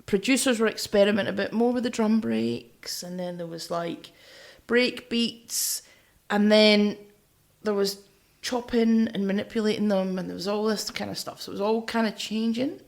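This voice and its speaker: A woman's voice: mid-range voice, normal speed, gravelly. A Scottish woman co-hosting a podcast, talking through music informally in a chatty, teasing way. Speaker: podcast co-host. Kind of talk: casual music discussion, explaining from notes.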